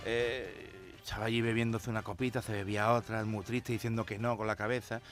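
A man telling comic stories on a radio show, lively and laughing along. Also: lowish voice, brisk. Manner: lively, laughs at own jokes. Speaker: comedy joke teller on radio.

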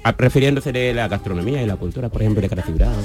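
A man on a radio panel who puts measured, searching questions to the guest. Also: fairly low pitch, a little mellow, soft background music.

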